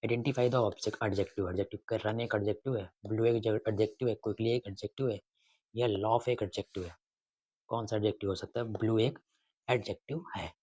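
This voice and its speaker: Husky-voiced male exam tutor. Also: on the low side, fairly even intonation, brisk, darkish tone, no echo, muffled recording. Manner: repeats questions and answers, asks students rhetorically. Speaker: exam prep teacher. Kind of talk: casual Hinglish exam lesson.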